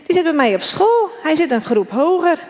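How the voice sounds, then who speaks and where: A woman's voice: high voice, sing-song, normal speed, darkish tone, in a large hall, muffled recording, voice pushed up. A woman voicing a timid, uneasy schoolboy in a read-aloud story. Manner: hesitant, grumbling.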